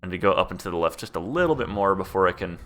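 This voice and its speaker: A young man streaming a video game, chatting casually in a flat, laid-back monotone. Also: low voice, racing. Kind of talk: casual gameplay commentary.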